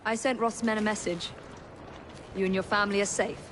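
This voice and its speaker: A woman voicing a calm young assassin. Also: medium pitch, brisk, close to an everyday voice. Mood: reassuring. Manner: calm, reassuring, composed. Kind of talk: video game cutscene acting. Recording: game audio with loud street and horse noise.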